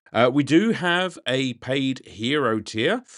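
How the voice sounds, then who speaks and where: A man with a British accent, medium pitch and lively intonation over a quiet background. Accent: British accent, complimented by listeners. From Britain. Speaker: podcast host. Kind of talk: casual podcast chat. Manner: hesitant, many fillers.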